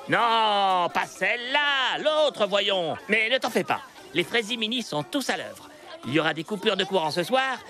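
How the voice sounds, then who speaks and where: A man's voice: sits high, bright, forceful tone, full character voice. An actor playing a bustling, flustered little foreman in a children's cartoon, bossy and urgent in manner. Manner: urgent, bossy, barking orders.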